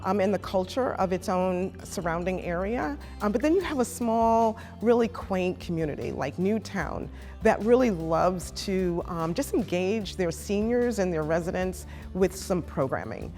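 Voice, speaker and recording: A woman's voice: lowish voice, lively intonation, moderate pace, a little mellow, soft background music. A woman giving a conversational interview as an arts director, explaining things appreciatively, recorded in a reverberant church. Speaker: executive director of an arts organization, interview guest. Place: inside an old granite church. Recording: long reverberant hall echo.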